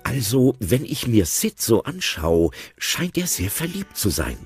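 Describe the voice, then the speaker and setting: A man calmly narrating the action in a German audio drama. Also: mid-range voice, unhurried, faint music behind. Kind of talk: scripted narration of a radio play.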